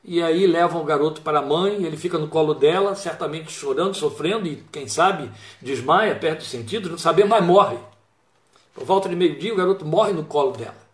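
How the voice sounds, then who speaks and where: A man's voice: a little high, a little fast, echoey room. A man preaching a sermon, retelling a Bible story with quoted dialogue and reflective asides.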